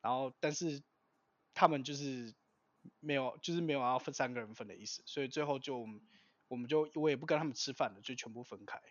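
A man on a podcast tells a story casually, rambling and relaxed, with many fillers. His pitch is average. The recording sounds dry and a bit dull, with no room echo. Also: brisk. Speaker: podcast co-host. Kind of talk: casual chat.

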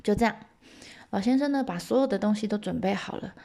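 A woman storyteller, retelling a legend for listeners in a loose, chatty way. Her mid-range voice carries a noticeable gravelly fry. She keeps turning to the audience with little asides and tags. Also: medium pitch, quick pace. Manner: lively, asides to listeners, lots of OK and 哈.

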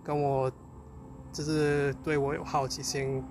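Higher-pitched man speaking foreign-accented Mandarin haltingly. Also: level tone, background noise. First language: not Mandarin, a foreign learner of it. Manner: halting, searches for words, repeats phrases. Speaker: co-host, Chinese learner. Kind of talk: casual unscripted chat.

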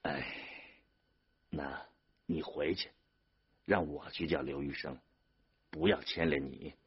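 A man voicing a tired older peasant who speaks softly and hesitantly. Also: extremely low pitch, steady tone, slow, husky, full character voice. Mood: resigned. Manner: hesitant, soft-spoken. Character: weary older peasant father, resigned. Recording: dull lo-fi audio.

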